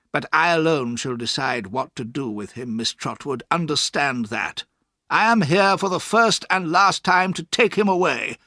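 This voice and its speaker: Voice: medium pitch, bright, forceful tone, no room sound, clean studio sound, pitched above the performer's own voice. A narrator voicing a cold, controlling stepfather who speaks curtly and crossly. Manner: curt and cross.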